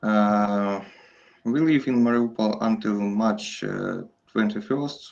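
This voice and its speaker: A man is speaking. His pace is very slow. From Donetsk, eastern Ukraine. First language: Ukrainian or Russian. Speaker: war refugee. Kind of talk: interview. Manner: halting.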